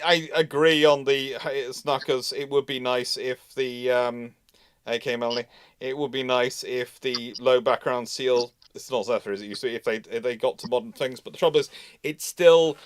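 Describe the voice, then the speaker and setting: A man's voice: mid-range voice, clean tone, no echo. A man hosting a casual panel discussion and answering questions, often repeating and restarting his phrases. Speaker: host of a naval history live Q&A.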